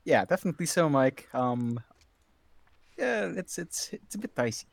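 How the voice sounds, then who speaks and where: Southeast Asian-accented male co-caster, lively pitch, dry close sound, relaxed and analytical. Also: normal speed, gravelly, no room sound. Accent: Southeast Asian English. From Southeast Asia. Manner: relaxed, easily amused, thinking aloud. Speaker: esports co-caster. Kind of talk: analytical color commentary.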